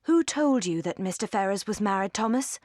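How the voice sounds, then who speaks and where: A woman's voice: medium pitch, expressive, normal speed, darkish tone, dry recording, clean studio sound, lightly acted. A woman voicing a genteel middle-aged English mother, politely probing and affectionate, in a period novel audiobook. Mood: anxious, questioning.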